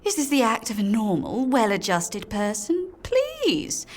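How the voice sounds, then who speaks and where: A woman's voice: a little high, wildly swooping pitch, unhurried, exaggerated voice. A woman playing an indignant, dramatic modern woman, incredulous and emphatic, in a radio drama. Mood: indignant, exasperated. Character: exasperated, dramatic modern woman ranting about a rival.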